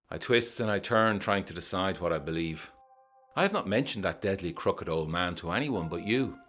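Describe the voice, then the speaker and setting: A haunted war veteran of the 1920s in a gothic audio drama. His voice is deep and measured as he broods over a letter, with faint music underneath. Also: a bit bright.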